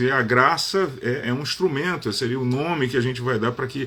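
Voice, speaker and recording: Speaking at a moderate pace, a man uses a medium pitch with ordinary pitch variation and a bright, sharp tone. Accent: Rio de Janeiro. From Rio de Janeiro state, Brazil (Niterói). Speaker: preacher. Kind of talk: sermon.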